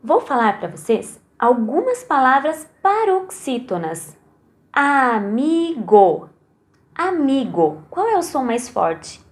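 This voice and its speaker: A Brazilian woman teaches a recorded lesson to young pupils, taking her time and leaning hard on each word. Her voice sits fairly high and moves up and down with plenty of life. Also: big pitch swings. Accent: Brazilian Portuguese. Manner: slow, careful delivery that stresses each word for children.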